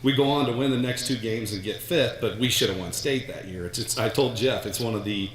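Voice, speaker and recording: A man's voice: mid-range voice, a little fast, slight background noise. A middle-aged man giving a hall of fame acceptance speech, telling stories with many restarts and repeated words. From United States. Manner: rambling storyteller with many restarts. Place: large hall. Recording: echoey hall.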